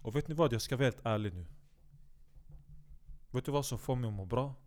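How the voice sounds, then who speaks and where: A man with a smooth, resonant voice rambles through a comic monologue, cursing freely. He swings from loud bursts to low muttering, with his pitch sitting mid-range. He stumbles and restarts as he thinks aloud. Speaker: comedic monologue host.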